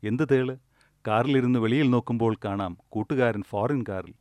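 A man delivers a dharma discourse on craving and attachment, hammering his points home through repetition and small stories. His voice sits at an ordinary middle pitch and is recorded close and dry, with no room sound around it. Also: fairly quick, a little mellow, dry recording. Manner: repetitive, emphatic storytelling. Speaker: meditation teacher.

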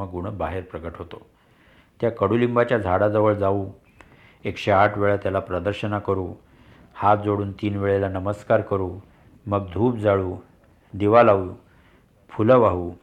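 A man giving a spiritual discourse in a measured way, repeating phrases for emphasis. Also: on the low side, narrow, tinny audio. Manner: measured, repetitive rhetorical phrasing. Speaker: spiritual teacher. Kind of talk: dharma discourse.

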